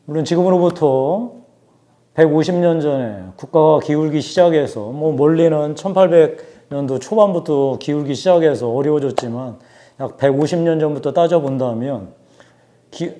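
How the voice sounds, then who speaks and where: A man in his forties giving a book talk, explaining numbers in a measured way with frequent hesitations. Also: on the high side, warm tone. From South Korea. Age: 40s. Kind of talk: lecture-style talk with statistics.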